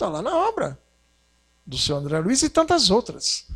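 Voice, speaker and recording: A man speaks with an animated tone at a moderate pace. His pitch swings very widely. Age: 60s. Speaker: spiritist lecturer. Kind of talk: religious lecture. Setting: spiritist center hall with audience.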